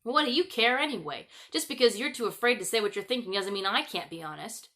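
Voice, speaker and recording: A woman's voice: fairly high pitch, lively intonation, fast, sharp tone. A woman voicing a sneering, cruel young boy in a storybook, irritable, snappish and mocking. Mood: scornful.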